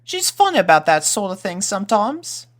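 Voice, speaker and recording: Man putting on a high, swooping young colt voice. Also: very animated, moderate pace. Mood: casual chatter. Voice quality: high-pitched put-on child voice. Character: young boy pony colts, chatty and uneasy adventurers.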